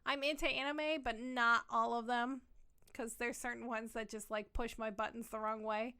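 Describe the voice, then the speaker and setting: A woman co-hosting a gaming podcast in casual, profane, animated chat, a little hoarse from a sinus infection. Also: fairly high pitch, moderate pace. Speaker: podcast co-host.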